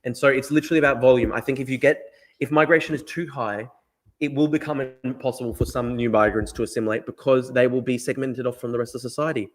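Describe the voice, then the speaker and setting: A rapid-fire man with a mid-range voice, hosting an opinionated podcast. He hammers his points home and circles back to repeat them, peppering his talk with "like" and "right?". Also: medium pitch, steady tone. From Australia. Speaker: podcast host.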